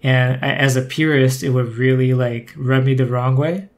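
A man's voice: mid-range voice, fairly even intonation, normal speed, background noise. Podcast guest, male, conversational, thoughtful, frequent restarts. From Brazil. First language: Portuguese. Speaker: guest, former community manager.

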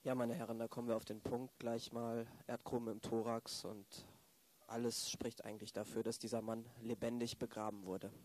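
A man's voice: medium pitch, level tone, normal speed, darkish tone, natural voice. A man acting a curt, matter-of-fact pathologist in an amateur radio play. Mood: curt, resigned. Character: blunt, resigned male pathologist.

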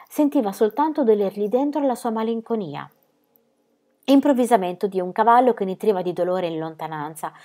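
A woman reading a children's story aloud, measured and expressive, with hushed, sad passages. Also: mid-range voice. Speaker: narrator.

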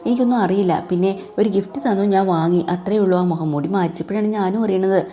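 A woman's voice: medium pitch, brisk, mellow, close to an everyday voice. A woman voicing a flustered young woman who pleads and denies with hesitant words.

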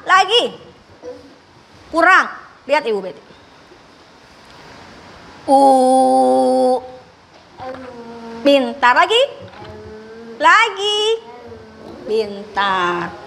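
A woman teaching young children with special needs in a radio lesson, speaking slowly with exaggerated enunciation and frequent praise. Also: extremely high pitch, lively intonation, pushed and bright.

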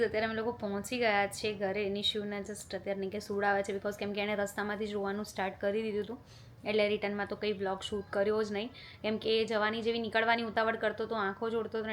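A woman's voice: mid-range voice, flat delivery, quick pace, a little hiss or hum. A young woman talking casually to camera in a family vlog at home, filmed on a phone. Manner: chatty, talks warmly to a small child then softly to camera. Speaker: vlogger.

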